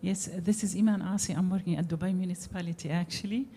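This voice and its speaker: Woman from Palestine, hesitant conference question, mellow warm voice. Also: on the low side, fairly even intonation, quick pace, a little hiss or hum. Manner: hesitant, searching for words. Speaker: audience member asking a question. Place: conference hall.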